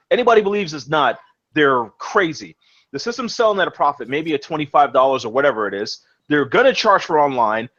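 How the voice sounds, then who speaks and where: A young man hosting a casual gaming podcast, talking excitedly, swearing freely and repeating his words as he goes. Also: a little high, dull audio. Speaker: podcast host.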